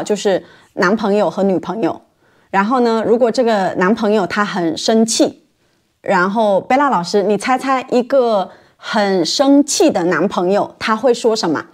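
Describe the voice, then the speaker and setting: A woman from mainland China hosting a casual podcast chat for Chinese learners, laughing often and getting animated when she tells stories. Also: medium pitch, unhurried. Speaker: podcast host.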